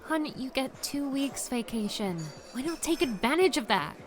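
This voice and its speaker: Casting: young female vlogger, doting but nagging best friend, very animated, coaxing and teasing, audio drama with music underneath. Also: high-pitched, moderate pace. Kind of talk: naturalistic audio drama dialogue.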